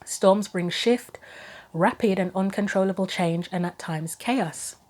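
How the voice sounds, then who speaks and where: A woman giving a chatty solo tarot reading and reading guidebook passages aloud, her voice going hoarse. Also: mid-range voice, unhurried, a little mellow. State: losing her voice, throat going. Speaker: tarot reader.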